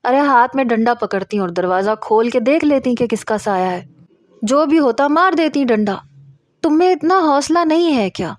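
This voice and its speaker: A woman voicing a sharp-tongued young female friend who scolds and teases. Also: fairly high pitch, few pauses, no room sound, studio quality, lightly acted. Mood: scolding. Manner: scolding, impatient.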